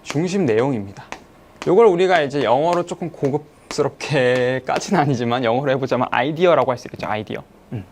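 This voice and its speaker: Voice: medium pitch, a little mellow, a little hiss or hum. An English teacher giving an online exam-review lecture, explaining step by step, asking questions and then answering them. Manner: reads English sentences slowly, then glosses them; mixes polite and casual speech to students.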